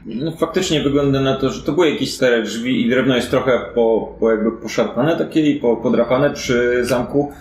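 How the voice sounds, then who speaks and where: A man narrating a fantasy detective tabletop game as game master, improvising in a conversational, halting way. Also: medium pitch. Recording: roomy echo, audible background noise.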